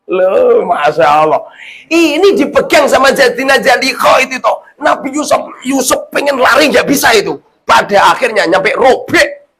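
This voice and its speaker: Animated high-voiced man preaching a story. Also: normal speed. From Indonesia. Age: 40s. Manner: animated, jokey storytelling with sudden loud and hushed turns; addresses the audience often with tag questions. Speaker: Islamic preacher. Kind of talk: storytelling religious lecture.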